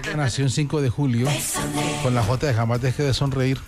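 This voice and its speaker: A man's voice: mid-range voice, fairly even intonation, a little fast, over loud music. A man hosting a live radio show, chatting effusively and joking with his co-hosts. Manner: warm, effusive well-wishing, joking. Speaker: radio host.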